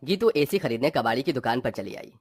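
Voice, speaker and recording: A man narrating a children's cartoon story in a steady, scripted storytelling manner. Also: mid-range voice, a little fast, slightly rough, no echo, studio quality, soft background music.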